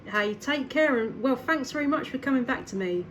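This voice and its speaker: A woman's voice: high voice, animated, moderate pace. A woman CB radio operator making casual contact chat in an upbeat, encouraging way. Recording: clear background noise.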